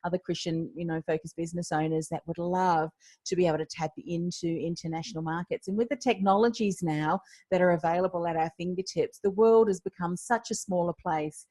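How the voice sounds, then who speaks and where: A woman hosts a faith-based business podcast in an encouraging, affirming way. Her voice sits a little low for a woman, and she is from Australia. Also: fairly even intonation, brisk, dark tone. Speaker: podcast host. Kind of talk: interview podcast with closing prayer.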